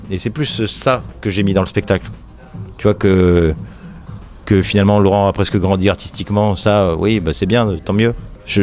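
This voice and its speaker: A comedian from the French Riviera chatting in an interview, full of fillers and restarts and quick jokes. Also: male voice, on the low side, a little mellow. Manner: hesitant, many fillers and restarts, jokey. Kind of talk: casual interview chat.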